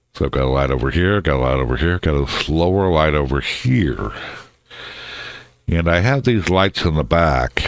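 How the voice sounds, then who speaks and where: At a moderate pace, a man with a very deep, low pitch speaks with lively intonation and very even loudness. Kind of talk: casual talk to camera, product review. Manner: hesitant, many fillers.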